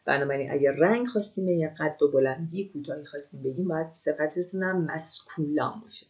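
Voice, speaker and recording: A young woman teaching a French lesson, saying the French words slowly and explaining them quickly. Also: sits low, darkish tone. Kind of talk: language lesson.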